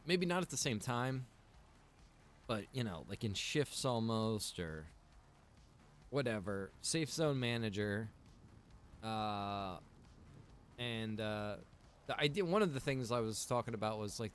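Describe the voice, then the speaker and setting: A man hosting a livestream, chatting casually to viewers in a rambling, halting way with informal asides. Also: on the low side, slight background noise. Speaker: livestream host. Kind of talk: casual chat to stream viewers.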